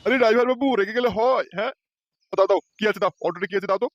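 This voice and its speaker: A man's voice: sits high, racing, no room sound, highs cut off, close to an everyday voice. A man voicing a stingy, hot-tempered middle-aged man in a cartoon who blusters and threatens. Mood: blustering. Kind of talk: cartoon voice acting.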